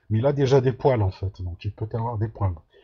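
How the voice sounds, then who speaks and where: Delivered at a moderate pace, the speech carries a somewhat breathy quality. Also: man. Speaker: participant in open online debate. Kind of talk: debate. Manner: halting, many hesitations.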